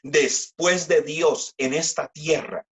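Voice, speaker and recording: A man, preaching a sermon as pastor and reading scripture slowly with emphatic repetition. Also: fairly even intonation, husky. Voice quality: deep voice. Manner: slow, emphatic scripture reading with repeated phrases.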